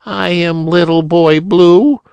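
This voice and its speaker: A man voicing a sad little boy in blue who is lost and crying, in a high wailing voice. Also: fairly even intonation, takes it slowly, creaky, darkish tone, clean tone, no room sound, muffled recording, full character voice. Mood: tearful.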